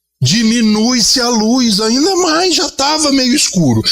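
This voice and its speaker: With music in the background, a man talks at a fairly slow pace in an extremely high pitch. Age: 60s. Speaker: spiritist lecturer. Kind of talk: lecture. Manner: casual, conversational.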